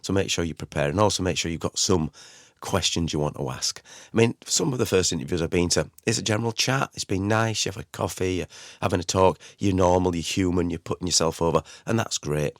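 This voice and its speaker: Low-pitched, slightly croaky middle-aged man. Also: brisk, dry recording, clean studio sound. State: recovering from a croaky voice. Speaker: podcast host. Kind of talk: informal solo podcast talk.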